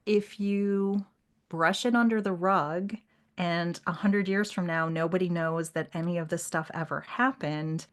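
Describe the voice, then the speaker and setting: A woman co-hosting a literary podcast, talking reflectively and articulately in measured, thoughtful phrases. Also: on the low side, fairly bright tone. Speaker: podcast co-host.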